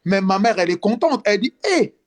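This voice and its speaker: A man speaks as a guest in a casual live video chat with a high voice. He talks earnestly but haltingly and often restarts his sentences. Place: in France.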